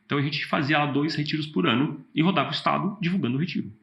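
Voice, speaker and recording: A man, a pastor, telling stories about his church life in a relaxed, animated way. He often acts out what other people said. The sound is a bit dull and lo-fi. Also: on the high side, rapid-fire, gravelly. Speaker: pastor and worship leader. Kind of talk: casual interview storytelling.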